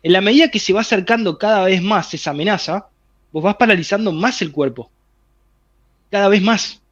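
High in pitch and fairly fast, the man's voice comes through a recording that loses its high frequencies. He speaks Spanish with a Rioplatense accent, animatedly explaining a health theory in an interview by walking the listener through vivid, ordinary situations.

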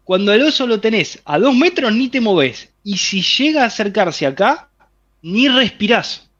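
The speaker is a man whose high, fairly bright voice moves through big pitch swings at a normal speed, on a lo-fi recording. Speaking with a Rioplatense Spanish accent, he gives an animated interview explanation of a health theory, using vivid everyday examples told directly to the listener.

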